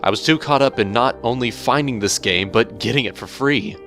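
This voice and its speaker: A man narrating a horror story in a measured, theatrical storytelling manner over music. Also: mid-range voice, a bit bright. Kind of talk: dramatic horror story reading. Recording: music bed under the voice.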